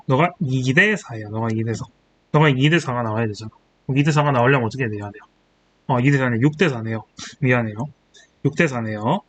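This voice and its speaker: A young chemistry tutor in his twenties works through exam problems aloud as he writes, catching his own mistakes and tossing out rhetorical questions. His voice is mid-range and a bit bright, and the recording has a faint hiss.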